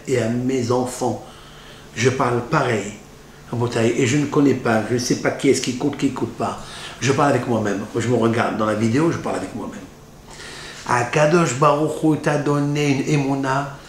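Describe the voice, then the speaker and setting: A man's voice: medium pitch, slight background noise. A man teaching a Torah lesson as a rabbi, talking in a dramatic, rhetorical way and dropping Hebrew terms into his speech. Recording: echoey room with faint ambience.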